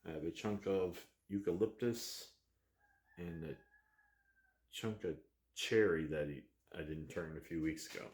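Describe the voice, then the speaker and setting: A man with a fairly low voice talks casually about his woodworking, rambling a little and chuckling often. He sounds like he is recording in a barn workshop, and the room adds a noticeable echo. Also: measured pace, long pauses, a little mellow. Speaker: woodturning channel host.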